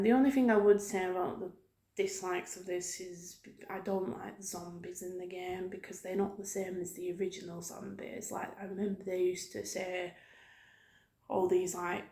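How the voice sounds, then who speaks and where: A woman talks softly in a casual ASMR ramble, with an even, fairly flat pitch. She wanders from thought to thought in a hesitant, informal way, like a video host chatting to viewers. The room adds a clear echo around her voice. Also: normal speed. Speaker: YouTube host. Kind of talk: soft-spoken ASMR ramble. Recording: roomy, echoing room sound.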